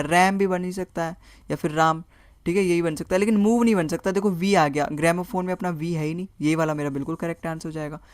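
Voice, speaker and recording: A man's voice: a little high, no room sound, studio quality. A man teaching a reasoning lesson for exam prep. He works through each answer option aloud, repeating words and checking in with his students. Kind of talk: online exam-prep lesson, Hindi mixed with English.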